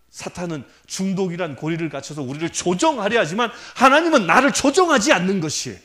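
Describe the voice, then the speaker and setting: A male priest preaching a sermon in an animated way, often putting rhetorical questions to the congregation. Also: high voice.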